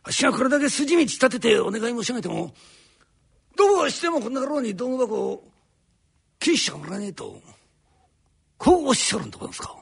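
A male rakugo storyteller voicing a fiery middle-aged master carpenter in rough Edo downtown speech, shifting from polite pleas to a rapid stream of insults. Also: extremely high pitch, sing-song, heavily acted. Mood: pleading politely. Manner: polite pleading turning into a fast, rough tirade.

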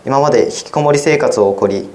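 A teenage high school boy reading his own essay aloud in a plain, even-paced way for a radio broadcast. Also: a little fast. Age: teens. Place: radio studio.

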